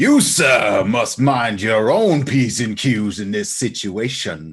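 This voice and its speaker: Using a put-on character voice at medium pitch, a man talks at a fairly slow pace. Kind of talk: formal, pompous.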